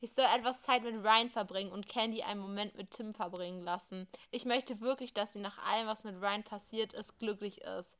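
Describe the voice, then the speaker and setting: Brief: woman co-host, bright tense voice, reading a story game aloud in a lively sing-song. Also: mid-range voice, brisk, hardly any pauses. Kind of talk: casual reading of an interactive story with asides.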